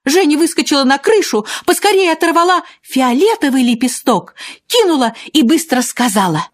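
A woman narrating a children's fairy tale in an expressive, dramatic storytelling manner. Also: sits high, normal speed. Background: music.

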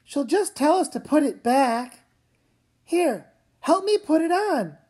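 A woman's voice: high-pitched, sing-song, slow pace, darkish tone, exaggerated voice. A woman voicing a stubborn, argumentative young girl, an older sister in a comic read-aloud. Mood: dismissive.

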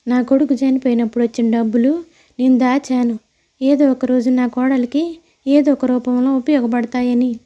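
High-voiced, kindly old mother-in-law played by a woman. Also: fairly even intonation, normal speed, muffled recording, natural voice. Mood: earnest, pleading. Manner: emotional, motherly, addressing others fondly. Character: kindly, grateful elderly widowed mother-in-law and grandmother.

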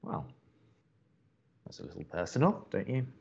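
An actor playing a young, wordy and opinionated college radio co-host in an audio drama, talking in halting conversational bursts. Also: male voice, deep voice, huge pitch swings, vocal fry, a little mellow, slightly rough, dull audio, heavily acted. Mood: reluctant, exasperated. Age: young adult. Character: earnest, exasperated young male college radio co-host, a theatre buff.

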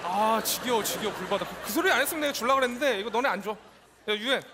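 A man's voice: sits high, lively intonation, bright, forceful tone, a little hiss or hum. A comedian playing a cocky, chatty male South Korean soldier who teases and boasts. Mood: teasing. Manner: teasing, boastful, quick. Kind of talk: stage sketch comedy.

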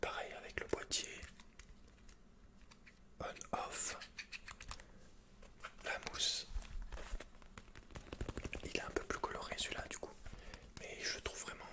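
A young man doing an ASMR roleplay as a shopkeeper, speaking haltingly and with understatement, close to the mic. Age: young adult. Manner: hesitant, halting, understated delivery.

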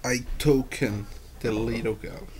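A man with a Brazilian accent, a native Portuguese speaker, haltingly reading aloud as an English learner and repeating words and phrases. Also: medium pitch, background noise. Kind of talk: halting read-aloud pronunciation practice.

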